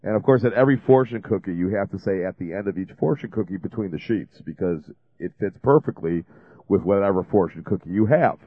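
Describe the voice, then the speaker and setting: A man's voice: low-pitched, a little fast, husky, dry recording, phone-quality sound. A man hosting a call-in radio show, talking in a chatty, rambling, jokey way while he has a cold. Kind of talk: casual call-in radio talk. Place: radio studio.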